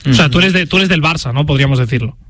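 A man's voice: a little high, rapid-fire, fairly bright tone. A man hosting a radio talk show, putting long, probing questions to a caller. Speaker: radio host.

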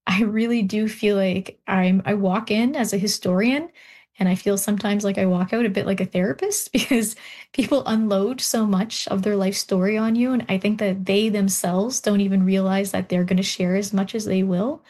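Animated woman historian telling stories. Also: medium pitch, moderate pace. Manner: warm, animated storytelling, laughs often. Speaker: historian, guest. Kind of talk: interview.

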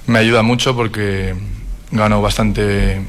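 A man's voice: on the low side, flat delivery, slow pace, slight background noise. A young man from Madrid, a handball player, answering interview questions earnestly, often repeating words as he thinks. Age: young adult.

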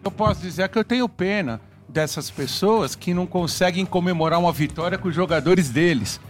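A man's voice: high-pitched, fairly quick, soft background music. A man on a sports talk show, arguing his opinion about a football match emphatically. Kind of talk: heated football debate.

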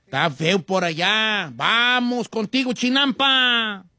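A man's voice: high voice, takes it slowly, bright, forceful tone, no echo. A man with a Mexican Spanish accent hosting a radio show, chatting about the news in a folksy, slangy, rambling way and repeating words. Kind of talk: joking news chat.

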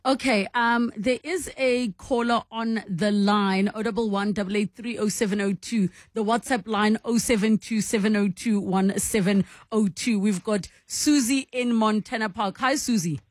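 A woman hosting a talk radio show, conversational and warm. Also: medium pitch, steady tone, moderate pace, hardly any pauses, dry recording, clean studio sound. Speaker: radio host. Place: radio studio.

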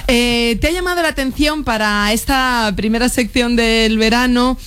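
A woman's voice: a little high, moderate pace, fairly bright tone, smooth. A woman hosting a radio talk show in a studio, conversational presenting. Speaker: radio host.

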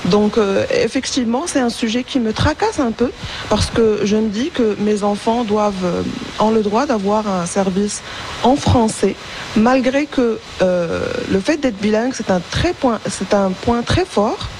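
A woman's voice: medium pitch, measured pace, noisy background. A young woman whose first language is Arabic, answering radio interview questions hesitantly with many fillers and restarts. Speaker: interview guest, school support worker.

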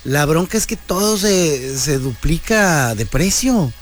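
A man's voice: fairly high pitch, expressive, slow. A man, hosting a radio show in a joking, slangy monologue. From Mexico. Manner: joking, slangy, playful banter. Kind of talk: casual comedic radio monologue.

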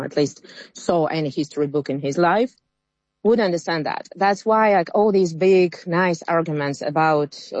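A woman's voice: sits low, a little mellow, dry recording. A woman from Ukraine, a guest commentator, arguing in non-native English with loose grammar. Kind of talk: heated debate argument. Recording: dull remote line.

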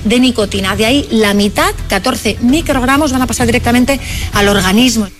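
A woman explaining facts in a measured, explanatory way. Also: a little high, soft background music.

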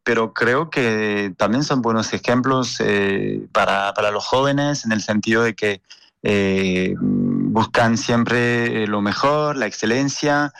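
Gravelly journalist with a French-Argentine accent. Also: male voice, on the low side, slow pace, a bit bright, no echo, studio quality. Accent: French and Argentine mix. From France. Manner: hesitant, many fillers and repeats. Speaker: sports journalist guest. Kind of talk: interview answers.

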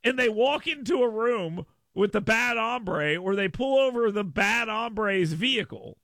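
A man's voice: high voice, animated, unhurried, fairly bright tone, no room sound, clean studio sound. A man hosting a talk radio show with a brash, sarcastic, riffing manner. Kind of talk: talk radio monologue with live read ad.

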